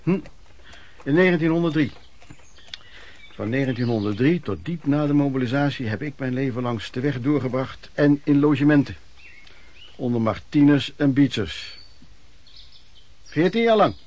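An actor playing an older, plain-spoken former street vendor and vagrant who reminisces in a radio play, wordy and folksy with quaint old-fashioned phrasing. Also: male voice, mid-range voice, lively intonation, normal speed, pauses often, darkish tone, lightly acted. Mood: matter-of-fact reminiscing. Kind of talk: radio play monologue in interview form.

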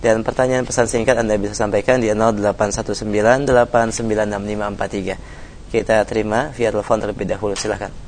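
A man's voice: on the low side, level tone, quick pace. A man hosting a live religious call-in program speaks in a formal, courteous manner, announcing numbers and greeting callers. Faint background noise sits under his voice. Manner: formal, reads Arabic text aloud, greets callers. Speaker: radio program host and moderator.

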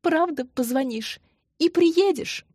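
A woman's voice: high voice, slow, a little mellow, no echo, pitched above the performer's own voice. A woman voicing an elderly mother who is anxious, plaintive and close to tears. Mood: tearful. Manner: plaintive, pleading.

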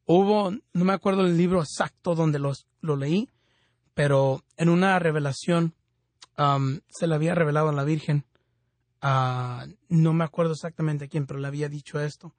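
A man's voice: fairly high pitch, fairly even intonation, moderate pace, darkish tone, dry recording. Fervent male Catholic radio host. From California. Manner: fervent, conversational, frequent restarts. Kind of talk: Catholic radio talk and prayer.

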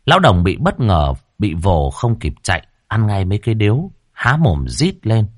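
A man narrating a ghost story in a vivid, lively way. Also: fairly low pitch, normal speed, dry recording, clean studio sound. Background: faint background music.

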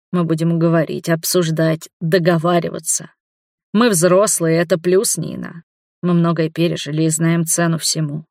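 A grey-haired, ailing man speaks softly and lovingly, pleading for forgiveness, as read by a woman narrator. The voice stays low and calm. The sound is close and dry. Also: dry recording. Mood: tender. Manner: soft, tender, pleading.

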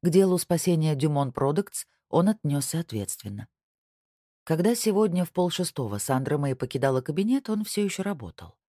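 Audiobook narrator, unhurried, even delivery, mellow timbre, dry studio sound. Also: medium pitch, no room sound. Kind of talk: scripted narration.

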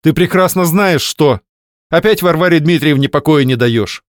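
A man's voice: fairly high pitch, moderate pace, dry recording, clean studio sound, voice pushed up, natural voice. A man voicing an outraged village wife who shrilly accuses her husband. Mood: accusing. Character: older village wife Arina, kind but furious when wronged.

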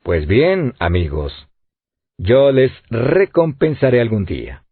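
A man voicing a hardy, ardent sailor in an audiobook, with a husky voice and exclamatory speech. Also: medium pitch, very animated, takes it slowly, no room sound, full character voice. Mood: grateful. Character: hardy middle-aged sailor, ardent and grateful. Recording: dry, tinny phone-like sound.

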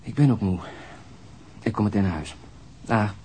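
An actor playing an exhausted, gloomy police detective, speaking in a terse, halting way in a radio drama. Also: male voice, expressive, close to an everyday voice. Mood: weary, subdued. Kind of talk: naturalistic radio drama acting. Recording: noisy radio drama recording with rumble.

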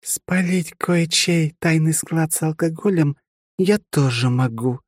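A man's voice: fairly high pitch, lively intonation, fairly quick, mellow, no room sound, pitched above the performer's own voice. A man voicing a hot-tempered young woman in an audiobook. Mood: angry. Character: fiery, jealous young woman.

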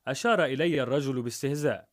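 A man narrating a rhymed story in a measured, rhythmic way. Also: medium pitch.

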